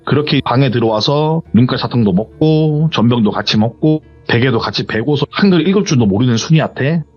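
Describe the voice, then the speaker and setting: Talking a little fast in a mid-range voice, a man passes along a horror story sent in by a viewer, wandering and lively in his delivery and marking it as hearsay. Faint music plays behind the muffled audio.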